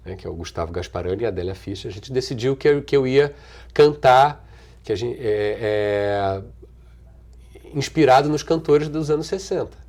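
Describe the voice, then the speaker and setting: A middle-aged man with a Brazilian accent, an actor and singer answering interview questions thoughtfully, with restarts, trailing pauses and frequent chuckles. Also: medium pitch, expressive, darkish tone. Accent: Brazilian Portuguese. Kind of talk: relaxed conversational interview answers.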